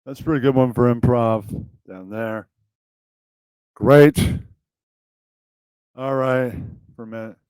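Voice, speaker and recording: A man's voice: mid-range voice, steady tone, takes it slowly, long pauses, darkish tone, clear, resonant tone, no room sound. Man muttering casually, dry close sound. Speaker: puppeteer and show host. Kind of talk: casual off-script chat while setting up.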